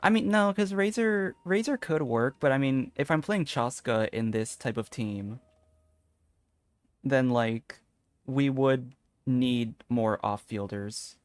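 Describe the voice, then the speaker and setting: A man's voice: mid-range voice, slow, dry recording, faint music behind. A man live streaming a video game, chatting casually and rambling as he thinks aloud. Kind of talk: casual gaming stream chat.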